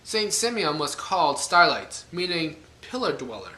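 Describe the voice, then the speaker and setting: A man's voice: fairly high pitch, sing-song, moderate pace, bright, forceful tone. A man rambling casually to camera, thinking aloud and correcting himself with wry asides. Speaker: vlogger. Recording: echoey room.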